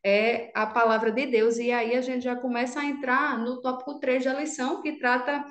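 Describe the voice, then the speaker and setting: A woman's voice: sits high, level tone, normal speed, roomy sound. A woman with a Brazilian Portuguese accent, co-hosting a religious teaching podcast, explaining earnestly and often checking in with "né?". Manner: earnest, explanatory, with many "né?" tags and restarts. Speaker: podcast co-host, Sunday school teacher. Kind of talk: casual religious podcast discussion.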